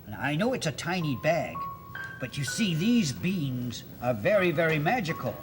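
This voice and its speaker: A man's voice: fairly high pitch, big pitch swings, normal speed. A man voicing a sly old male peddler with coaxing, sing-song sales patter, over music. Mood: wheedling.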